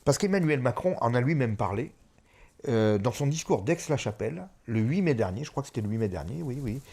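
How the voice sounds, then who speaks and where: A man's voice: medium pitch, animated, a little fast, gravelly, darkish tone, breathy edge. A man in his fifties, an author, speaking emphatically in an interview discussion, often repeating himself and hesitating. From France. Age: 50s. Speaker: author and guest.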